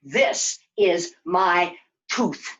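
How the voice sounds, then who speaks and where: A woman voicing a grumpy, imperious old male dragon in a puppet show, with slow, drawn-out proclamations. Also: on the low side, fairly bright tone. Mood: sulky, wondering. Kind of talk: puppet show character acting. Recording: dull, lo-fi sound.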